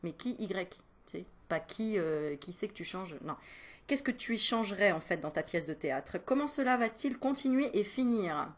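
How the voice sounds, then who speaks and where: A woman's voice: mid-range voice, lively intonation, normal speed. A woman doing a casual animal card reading as a medium, chatty and playful, breaking into giggles and self-mocking asides while teasing the viewer. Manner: teasing, talks straight to the viewer.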